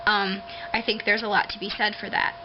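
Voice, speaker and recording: A woman vlogger talking casually and haltingly to her webcam, with drawn-out, hissing s sounds like a lisp. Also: medium pitch, flat delivery. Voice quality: lisping, hissy drawn-out s sounds. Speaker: video blogger. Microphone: webcam microphone. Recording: noisy dull webcam audio, hissing sibilance.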